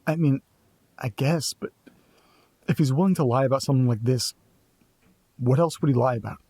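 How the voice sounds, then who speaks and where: A man's voice: mid-range voice, moderate pace, a little mellow, breathy edge, no room sound. A man playing a troubled, insistent young man. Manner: insistent, searching. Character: troubled young man doubting his father. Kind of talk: audio drama dialogue.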